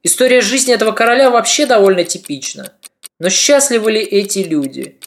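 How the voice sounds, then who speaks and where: A woman narrating a history podcast in a measured, reflective storytelling manner. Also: mid-range voice, lively intonation.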